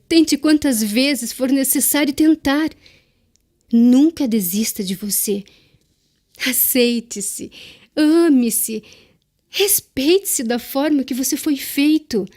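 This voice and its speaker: A mysterious female figure of Death played by a woman in a radio play. Her voice is fairly high and soft-toned, with slow, solemn delivery. She exhorts tenderly, weighing each phrase. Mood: earnest, urging. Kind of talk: radio drama monologue.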